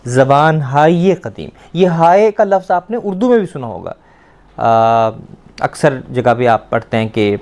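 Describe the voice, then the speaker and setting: A male teacher with a medium-pitched voice leads a classroom language lesson. He explains patiently, step by step, and slowly repeats words for a student to pick up. He often stops to ask the student questions. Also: expressive, darkish tone.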